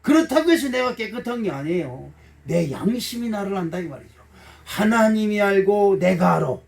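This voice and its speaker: A middle-aged male pastor with a high, very animated voice preaches in a folksy, emotional way, acting out voices and tossing blunt jokes to his congregation. He is picked up from a distance in a church, so the sound is set back from the mic. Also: normal speed, vocal fry. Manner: blunt, joking asides to the congregation. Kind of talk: sermon. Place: church sanctuary.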